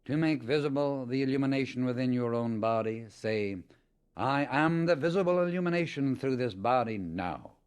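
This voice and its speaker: A man narrating a scripted spiritual audiobook in a measured, emphatic, instructional manner. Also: medium pitch, expressive, clean tone.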